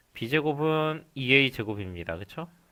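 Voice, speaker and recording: Bright and sharp in tone, a man's voice moves with lively intonation. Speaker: math teacher. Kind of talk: lecture. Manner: fast.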